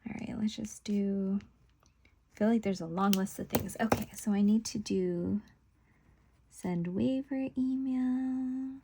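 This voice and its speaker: Creaky-voiced woman chatting through crafts. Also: mid-range voice, steady tone, normal speed, dark tone, a little hiss or hum. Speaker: craft video host. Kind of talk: casual plan-with-me chat, narrating while working.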